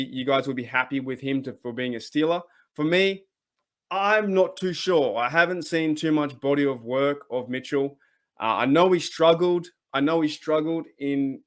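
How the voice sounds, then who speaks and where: A man with an Australian accent hosting a sports talk channel, chatting casually and rambling with many restarts. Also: fairly high pitch. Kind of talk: casual solo commentary.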